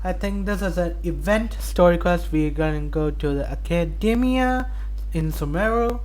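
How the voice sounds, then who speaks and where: A woman gaming creator giving casual gameplay commentary, halting and thinking aloud. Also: lowish voice, darkish tone. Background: video game music.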